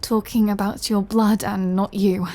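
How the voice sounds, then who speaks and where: A woman playing a remorseful, lovesick female vampire in an intimate audio roleplay, speaking in a hesitant, confessional way that often softens toward a whisper. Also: medium pitch, level tone, close to an everyday voice. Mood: tender, sheepish. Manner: hesitant, halting, confessional, with soft breathy drops. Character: remorseful, lovesick female vampire craving her lover's blood.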